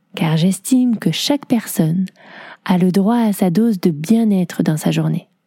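At a fairly slow pace, a woman speaks in a soothing, calm tone that is somewhat breathy, with a medium pitch, ordinary pitch variation and very even loudness. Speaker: yoga teacher and meditation guide. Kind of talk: guided meditation. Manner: soothing, slow, calm; soft-spoken, gentle.

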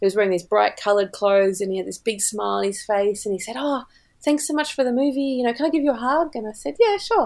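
With an Australian accent, a woman talks at a very fast pace using lively intonation. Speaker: documentary filmmaker. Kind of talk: interview.

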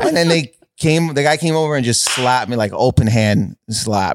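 A man with a plain, everyday voice and medium pitch speaks at a moderate pace with ordinary pitch variation, in a dry, close sound with no echo. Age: 40s. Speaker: comedian. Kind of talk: casual chat. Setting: studio.

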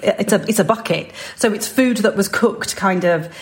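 Noticeable background noise sits behind a woman with a West Midlands accent. Her pitch is fairly high and varies in an ordinary way. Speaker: cookbook author and home cook. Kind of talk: interview. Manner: hesitant, many fillers.

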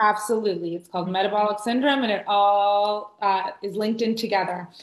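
This woman has an unremarkable speaking voice, with a medium pitch and fairly even intonation. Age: 40s. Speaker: pharmacist. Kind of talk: casual chat.

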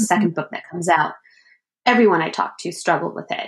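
A woman's ordinary speaking voice, fairly low in pitch, with lively intonation. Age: 30s. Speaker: author. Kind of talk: casual interview chat.

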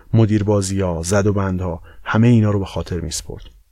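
The delivery moves at a fairly quick pace. The tone is dark and mellow over a quiet background. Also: man. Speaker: podcast host. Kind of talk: scripted narration.

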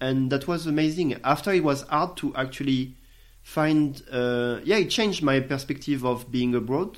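Speaking at a moderate pace, a man keeps his loudness very even, with a fairly high pitch and ordinary pitch variation. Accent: French. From France. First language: French. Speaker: guest. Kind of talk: casual chat.

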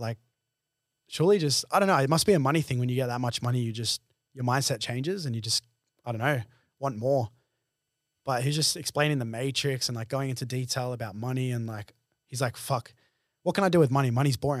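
In a very clean recording with a silent background, the speaker talks very fast with an Australian accent yet leaves long, frequent pauses. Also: man. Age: young. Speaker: videographer and content creator. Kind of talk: casual chat. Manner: animated.

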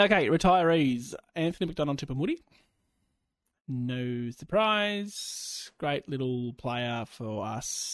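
A man speaks with an Australian accent, his pitch fairly high and his intonation lively. He talks at a very slow pace on a very clean recording with a silent background. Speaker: podcast host. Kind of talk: casual chat.

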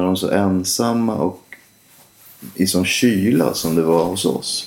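A man speaks with a very deep, low pitch. Noticeable background noise sits behind him. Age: 50s. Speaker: podcast co-host. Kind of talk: emotional family conversation. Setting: in a car. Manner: halting.

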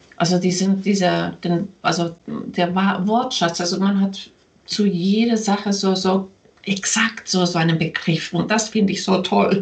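Against noticeable background noise, a woman speaks at a fairly slow pace in a monotone, flat intonation with very even loudness. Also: medium pitch for a woman. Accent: Finnish. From Finland. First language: Finnish (speaking German). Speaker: language teacher and podcaster. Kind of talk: casual interview. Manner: hesitant with many fillers.

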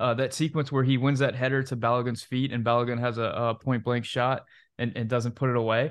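Against a quiet background, a man with an unremarkable speaking voice talks at a medium pitch and a moderate pace. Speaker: soccer analyst. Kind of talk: casual chat.

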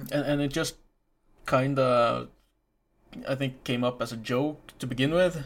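A man with a Norwegian accent speaks at medium pitch and a fairly slow pace, leaving long, frequent pauses. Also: fairly even intonation. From Norway. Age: 30s. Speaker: podcast host. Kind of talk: casual chat. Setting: bar. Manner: hesitant, many filler sounds.

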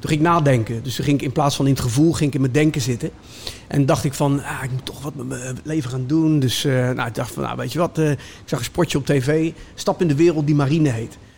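Talking at a very fast pace, a man with a fairly high pitch sounds somewhat breathy. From Netherlands, The Hague. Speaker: zen teacher and former hardcore DJ. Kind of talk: casual interview. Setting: cafe studio.

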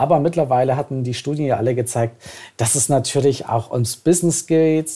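Medium pitch from a man, dark and mellow in tone, his intonation fairly even. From Bavaria, Germany. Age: 40s. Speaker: entrepreneur, event organizer. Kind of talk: interview.

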